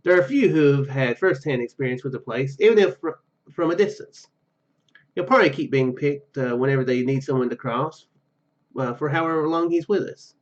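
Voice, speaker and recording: A man hosting a gaming video, commenting casually and reading game text aloud in a halting, rambling way. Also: medium pitch, dull audio.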